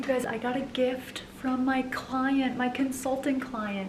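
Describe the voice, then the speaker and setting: There is audible room echo. Noticeable background noise is also present. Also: woman. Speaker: lifestyle vlogger and influencer. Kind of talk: vlog talk to camera. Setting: bathroom at home. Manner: whispering.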